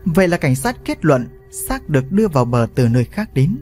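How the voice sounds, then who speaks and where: Guy reading a story out, really animated, soft music in the back. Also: on the high side, fairly quick. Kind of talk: scripted story narration. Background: faint music.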